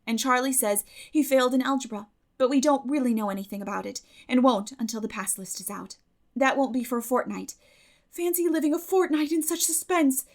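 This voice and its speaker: A woman's voice: high voice, a little mellow, pitched above the performer's own voice. A woman voicing an earnest, dramatic, talkative teenage storybook heroine in a gushing, emphatic way. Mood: fretful.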